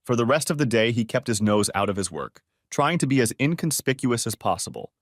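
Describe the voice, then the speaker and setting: A man narrating an audiobook story in a steady storytelling manner. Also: medium pitch, a little fast, no echo, clean studio sound.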